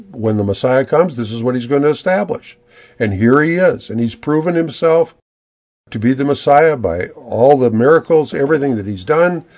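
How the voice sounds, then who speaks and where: Guy preaching in church, earnest bible teaching, gets worked up retelling the story. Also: mid-range voice. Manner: earnest, builds excitement retelling the crowd. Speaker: pastor. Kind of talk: expository sermon.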